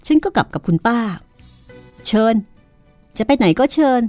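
A woman's voice: on the high side, sing-song, unhurried, darkish tone, no room sound, soft background music, voice pushed up. A woman doing a haughty, sarcastic older sister. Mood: scornful.

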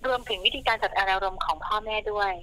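A woman speaking gently and explaining parenting tips in a casual podcast chat, now and then acting out short quoted lines. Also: mid-range voice, fast talker, poor audio. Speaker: parenting expert guest.

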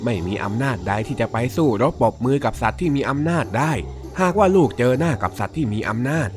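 A man's voice: mid-range voice, animated, fast talker, close to an everyday voice. A man voicing a wise father sheep who solemnly teaches his child in a storybook tale, over background music.

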